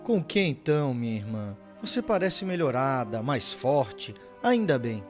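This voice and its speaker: An actor playing a kindly, calm spirit missionary who counsels gently and earnestly in a radio drama. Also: male voice, mid-range voice, measured pace. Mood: kind, encouraging. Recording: music bed behind the voice.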